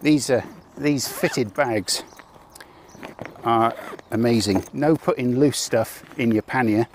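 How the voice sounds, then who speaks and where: A man's voice: mid-range voice, slow pace, a little hiss or hum. An older man on a lapel radio mic, talking casually and wryly outdoors at a campsite as he shows off his motorcycle kit. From Britain. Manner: chatty, wry, with self-deprecating jokes. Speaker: motorcycle travel vlogger. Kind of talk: casual vlog, mock advert at the start. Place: outdoors at a campsite car park.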